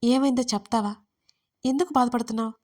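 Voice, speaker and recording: A persistent young man in love, coaxing and insistent, read by a woman storyteller in an audio story. The voice sits fairly high and stays flat in its melody. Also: quick pace, natural voice. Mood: tender insisting.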